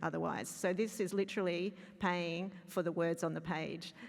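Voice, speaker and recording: On a very clean recording with a silent background, a woman with a strong Queensland accent speaks at a fairly low pitch with vocal fry. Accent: broad Queensland Australian. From Queensland, Australia. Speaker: award-winning author. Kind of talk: acceptance speech. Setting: awards ceremony with audience.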